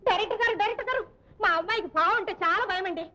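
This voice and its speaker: Fussy protective mother, very high, rapid-fire, faint music, muffled old soundtrack. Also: bright, forceful tone. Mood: fussing. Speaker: actress's mother. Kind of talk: 1960s film comedy.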